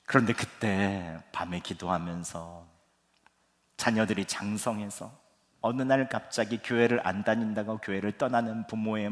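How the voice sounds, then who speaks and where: A middle-aged man preaching a sermon as pastor, telling stories vividly and acting out the people he quotes. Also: fairly low pitch. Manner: animated storytelling that acts out quoted speech. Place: church sanctuary. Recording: long reverb of a church hall.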